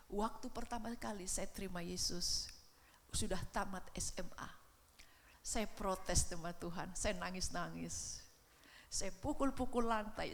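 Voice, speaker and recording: A middle-aged woman preaching a sermon in a church, swinging between hushed whispers and shouts. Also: lowish voice, big-room sound.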